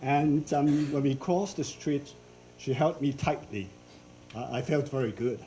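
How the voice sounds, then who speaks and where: An older man from Hong Kong delivers an academic lecture at an unhurried pace, often pausing on fillers and restarting his sentences. His voice is warm and mellow. A faint background hiss sits under the room. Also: medium pitch, poor audio. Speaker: invited professor giving a symposium talk. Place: lecture hall.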